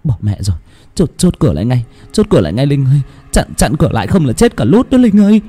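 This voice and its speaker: A man's voice: medium pitch, big pitch swings, quick pace, mellow, breathy edge, voice pushed up. A man voicing a frightened young mother who urgently pleads and gives orders.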